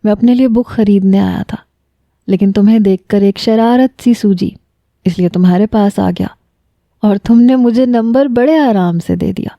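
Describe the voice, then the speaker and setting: A woman reading the lines of an earnest, emotional young man confessing his love, in a soft, heartfelt storytelling delivery. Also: mid-range voice, no echo, highs cut off, lightly acted. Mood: tender. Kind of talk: scripted narration.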